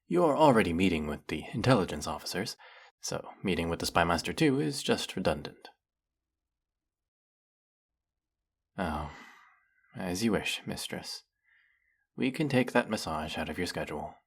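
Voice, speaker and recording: A man playing a flirty, fanatically devoted demon familiar in a dramatic audio roleplay, with fawning, formal diction and a breathy, husky voice. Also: deep voice, sing-song, moderate pace, exaggerated voice. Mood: dutiful, wistful. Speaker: voice actor. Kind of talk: dramatic roleplay monologue spoken to the listener.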